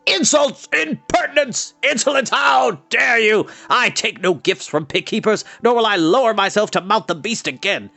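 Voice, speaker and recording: A man's voice: high-pitched, normal speed, vocal fry, few pauses, sharp tone, no echo, voice pushed up, full character voice. A man voicing a proud, furious warrior lord, bellowing with imperious indignation in a storybook reading. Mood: furious, indignant. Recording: music behind the voice.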